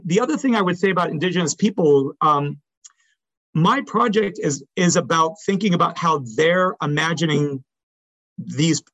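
Creaky-voiced male academic explaining research. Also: on the high side, a bit bright, no echo, poor audio. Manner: explanatory, hedging, often checking with "right?". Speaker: academic presenting research, answering audience questions. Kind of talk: question and answer after an academic talk.

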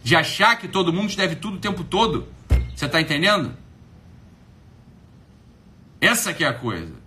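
A man's voice: fairly high pitch, very animated, moderate pace, bright, forceful tone, a little hiss or hum. A Brazilian man hosting a livestream, scolding a critic in a mocking, profane rant. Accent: Brazilian Portuguese. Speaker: livestream host.

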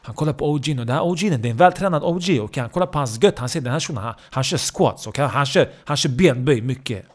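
A man's voice: medium pitch, hardly any pauses. A man comedian telling a crude comic story, swearing a lot and often checking that the listener is following. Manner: profane, animated, checks in with the listener.

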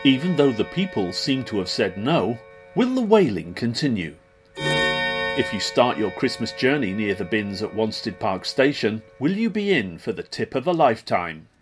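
A man's voice: medium pitch, big pitch swings, normal speed, music in the background. A man announcing in a tongue-in-cheek mock news style, reading scripted headlines. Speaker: podcast announcer.

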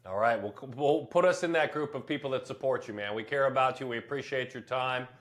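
A man's voice: mid-range voice, quick pace, fairly bright tone. A man hosting a conversational sports podcast, speaking earnestly and often repeating words for emphasis. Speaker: podcast host.

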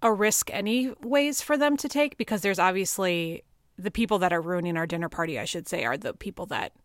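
A woman's voice: lowish voice, animated, a little fast, no room sound. Woman cohost chatting on a podcast, earnest, upbeat, dead dry room. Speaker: podcast co-host. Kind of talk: casual podcast chat.

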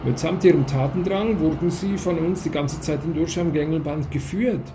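A man's voice: fairly high pitch, normal speed, background noise, close to an everyday voice. A man reading a cold, scornful official. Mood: cold lecturing. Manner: scolding, condescending, growling. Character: stern, cold male official of a drugged state.

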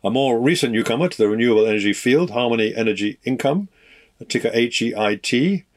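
A man hosting a podcast, reading scripted financial market news in a measured, formal and fluent way. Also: mid-range voice, expressive. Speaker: podcast host.

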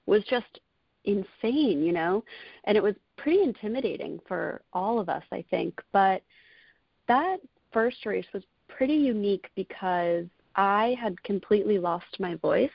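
A woman's voice: medium pitch, lively intonation, measured pace, creaky, slightly rough, no room sound. A woman in her twenties, a college rowing coxswain, answering interview questions in an earnest, casual way with frequent fillers. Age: 20s. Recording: dull lo-fi audio.

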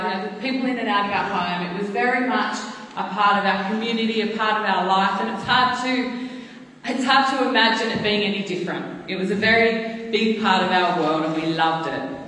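Woman, thirties, preacher, earnest storytelling, very echoey church hall, faint noise. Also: medium pitch. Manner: earnest, warm storytelling with frequent restarts. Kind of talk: sermon.

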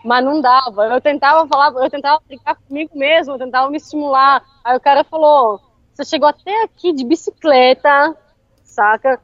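A high-voiced woman tells an animated story, laughing as she goes. The recording is dry and a little dull. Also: a little fast, no room sound. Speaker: interview guest. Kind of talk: casual storytelling chat.

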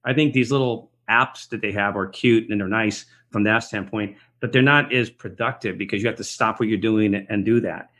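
A middle-aged man with a husky, slightly breathy voice, speaking as a podcast guest. He talks in a reflective, meandering way, circling back and restarting his thoughts as he goes. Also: on the low side, fairly even intonation, normal speed, hardly any pauses, fairly bright tone. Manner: rambling, reflective storytelling with restarts. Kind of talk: conversational podcast interview. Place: Los Angeles area.

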